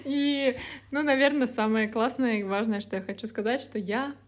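A woman's voice: fairly high pitch, normal speed. A woman guest in casual chat, playful and giggly with informal slang. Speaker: guest, company co-founder.

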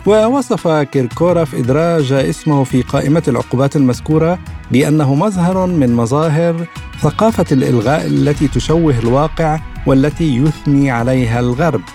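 A man co-hosting a radio show, reading news items and discussing them in a measured, formal way. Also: on the high side, warm tone, soft background music. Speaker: radio co-host.

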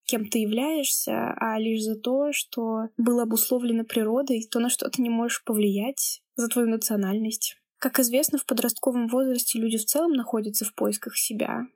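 A young woman in her late teens, from Kamchatka, with no accent, calmly telling her own story in a measured, reflective way. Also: a little high. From Kamchatka, Russia. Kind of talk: personal account, reflective narration.

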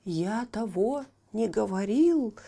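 A woman voicing a simple young peasant lad in a storybook tale, loud, excited and pleading. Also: medium pitch, slow pace, gravelly, exaggerated voice. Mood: pleading defiant.

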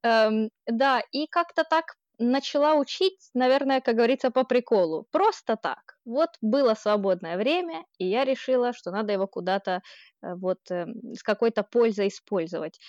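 This is a woman with a Ukrainian accent, a guest in a relaxed conversation. She laughs through many of her sentences and keeps a friendly, chatty flow. The sound is dry and a little dull, like a lo-fi recording. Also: a little high, moderate pace, no echo. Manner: laughs often while speaking, warm and chatty. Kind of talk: casual conversational interview.

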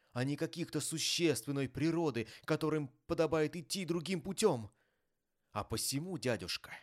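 A man's voice: on the high side, pitched above the performer's own voice. A man playing a cheerful young nephew. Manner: cheerful and earnest. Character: cheerful warm-hearted young male nephew.

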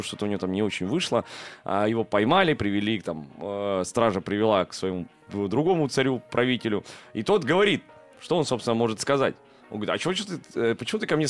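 A man casually retelling a fairy tale, animated and laughing, with lots of fillers and restarts. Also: on the low side. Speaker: podcast co-host who staged a children's fairy-tale play. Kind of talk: casual storytelling conversation.

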